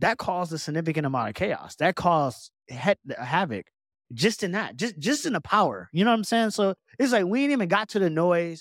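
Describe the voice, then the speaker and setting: In a very clean recording with a silent background and a dry, close sound with no echo, a man talks at a fairly quick pace in a high pitch with very wide pitch swings. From Detroit, US Midwest. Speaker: podcast host. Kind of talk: casual chat.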